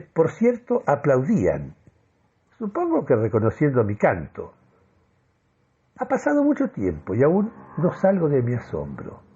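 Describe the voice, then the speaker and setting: A man's voice: mid-range voice, warm tone, husky, muffled recording. A man performing a comic first-person radio monologue in a theatrical, mock-solemn manner. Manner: dramatic, mock-solemn delivery.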